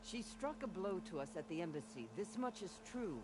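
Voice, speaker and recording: A man playing a solemn, steadfast tribal chaplain in a video game, speaking in a measured, oratorical way. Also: high-pitched, big pitch swings, noisy background. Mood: solemn, resolute. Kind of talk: dramatic video game acting.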